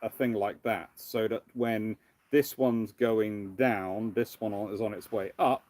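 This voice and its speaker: A man hosting a casual live question-and-answer stream, thinking aloud in a halting, rambling way. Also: fairly low pitch, fairly even intonation, darkish tone, dry recording. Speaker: livestream host, naval historian. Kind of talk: casual live Q&A with off-the-cuff commentary.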